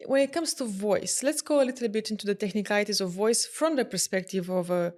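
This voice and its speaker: A woman public speaking coach hosting a podcast, asking measured questions and murmuring along as she listens. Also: medium pitch, a little mellow. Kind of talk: podcast interview.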